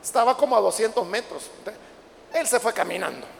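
An older man preaches in a very high, gravelly voice, telling a story with growing emotion. He breaks into shouts at the peaks of the story. The sound comes from a reverberant church hall with faint ambience behind him. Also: animated, fairly quick, a little hiss or hum. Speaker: pastor. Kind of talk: sermon.

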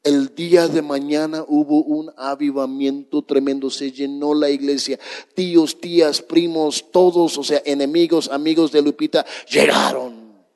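A middle-aged man, a pastor, slowly telling a story in a sermon to his congregation. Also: on the high side, fairly even intonation, darkish tone. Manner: slow, dramatic storytelling to a congregation. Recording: long reverb of a church hall.

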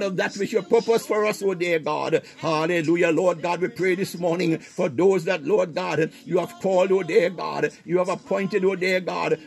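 A man's voice: high voice, vocal fry, breathy edge. A man leading a fervent, unscripted Christian prayer as a preacher, impassioned and punctuating his phrases with exclamations of praise.

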